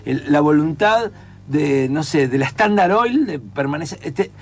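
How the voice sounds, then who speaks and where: Animated Rioplatense man, lively pitch. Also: measured pace. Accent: Rioplatense Spanish. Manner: animated, sings out rhythms to explain. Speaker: writer and teacher. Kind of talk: casual conversation.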